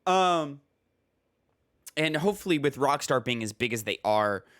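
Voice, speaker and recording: A man's voice: mid-range voice, animated, unhurried, fairly bright tone, dry recording, studio quality. A man hosting a casual gaming podcast with a slightly stuffy nose, rambling with fillers and reading news articles aloud. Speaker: podcast host.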